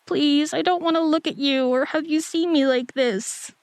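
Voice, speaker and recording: A woman playing a shy, tender young girlfriend in an intimate romantic sleep-aid roleplay, speaking softly and breathily, often near a whisper, with gentle hesitancy. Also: sits high, normal speed, dry recording. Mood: flustered, embarrassed. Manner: gentle, hesitant, intimate address to one listener.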